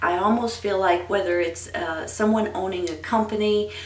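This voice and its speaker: A woman talks with fairly even intonation over noticeable background noise, with audible room echo. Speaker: tarot reader. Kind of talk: tarot reading monologue.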